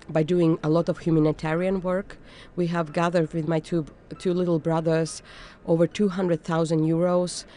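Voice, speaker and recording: A woman who grew up in Finland, a conductor speaking earnestly in an interview, often pausing and restarting as she searches for words. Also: lowish voice, warm tone.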